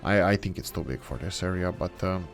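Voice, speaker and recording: A low-pitched host talks a little fast over faint music in his gaming video. English is his second language, and his laid-back let's-play commentary drifts through tangents and corrections as he builds.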